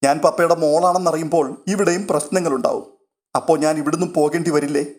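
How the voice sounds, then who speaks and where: A man reads as a young woman in a storybook, close to tears, earnest and pleading. The voice is lifted higher and sounds choked. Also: steady tone, fairly quick, a little mellow, natural voice. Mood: tearful. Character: young woman, tearful and selfless.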